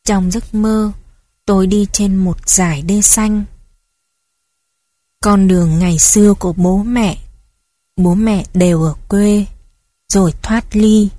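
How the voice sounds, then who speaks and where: A woman reading a first-person memoir story aloud in a gentle, reflective storytelling manner. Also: mid-range voice, fairly even intonation, slow, long pauses, no echo. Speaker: narrator. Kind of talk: scripted narration of a memoir story.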